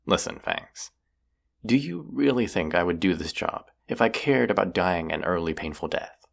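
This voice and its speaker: Young male vampire hunter, played by a male actor, audio roleplay: very low, gravelly voice, cocky and slangy, sarcastic with a self-mocking edge. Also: lively intonation, normal speed. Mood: defiant, sardonic. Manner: teasing, sarcastic, casual slangy delivery.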